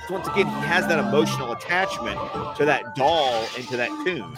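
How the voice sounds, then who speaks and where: Lively man gushing about a cartoon. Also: mid-range voice, brisk, over loud music. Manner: enthusiastic, fond, adds trivia. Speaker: podcast co-host. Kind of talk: casual fan commentary on a cartoon.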